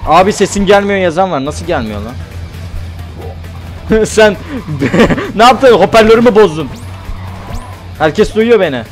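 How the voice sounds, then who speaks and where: A man streaming a game live, excitable and talkative, yelping and shouting at the action while chatting to viewers. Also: sits high, unhurried, long pauses, soft background music. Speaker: gaming streamer.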